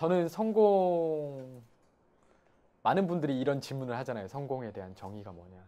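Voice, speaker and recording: Lively intonation and a dark, mellow tone from a male speaker at moderate speed. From South Korea. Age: young. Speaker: company CEO and author; guest. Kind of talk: talk show interview. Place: studio. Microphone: lapel.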